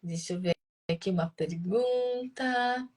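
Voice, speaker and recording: A woman's voice: medium pitch, slow pace, a little mellow, faint music behind. A woman answers parents' questions in a live session, explaining patiently and posing rhetorical questions she then answers. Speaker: child speech-development educator answering parents' questions.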